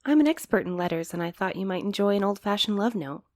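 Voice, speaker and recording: A woman's voice: mid-range voice, lively intonation, quick pace, darkish tone, dry recording, studio quality, close to an everyday voice. A woman playing a wry, put-upon mail courier in an audio drama, conversational and a little sardonic. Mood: affectionate, chatty.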